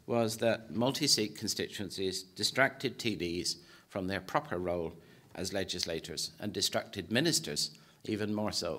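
A man in his sixties with an Irish accent, giving a formal lecture at a podium in a conference hall, measured and hesitant with many fillers. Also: low-pitched, bright, forceful tone. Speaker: political science professor giving a presentation. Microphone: podium microphone.

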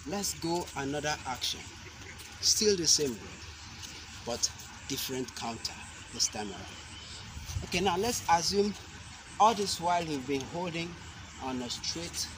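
A young man demonstrating self-defense moves, explaining each step slowly and deliberately, with sharp shouted cries on the strikes. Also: on the high side, animated. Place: outdoor concrete court. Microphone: camera mic at a distance. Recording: outdoor noise from a camera mic.

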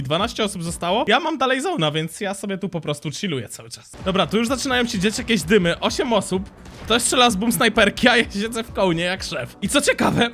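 High, bright excitable young man gaming. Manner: excitable, jumpy, laughs often. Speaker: gaming streamer. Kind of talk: excited gameplay commentary.

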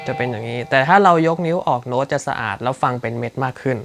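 A male guitar teacher talks through a solo lick in a relaxed, polite way, filling pauses as he goes. His voice sits in a middle register. Loud electric guitar playing runs behind him. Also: mid-range voice, creaky. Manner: relaxed, polite, with frequent fillers. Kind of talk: casual instructional talk. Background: loud electric guitar music.

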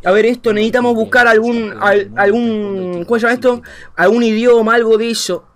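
A young man with an Argentine Spanish accent, commentating a game as a streamer, thinking aloud and swinging between quiet muttering and excited outbursts. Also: sits high, brisk. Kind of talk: gameplay commentary.

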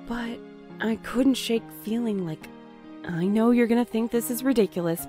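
Audio drama lead: actress as conscientious young postal worker, earnest, measured, mid-pitched, music underneath. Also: female voice, darkish tone, natural voice.

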